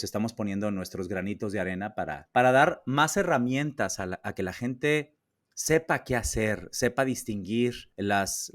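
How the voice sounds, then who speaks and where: Podcast host, Mexican man, lowish voice, halting delivery full of fillers. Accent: Mexican Spanish. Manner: hesitant, many fillers and restarts. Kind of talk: casual interview. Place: New York.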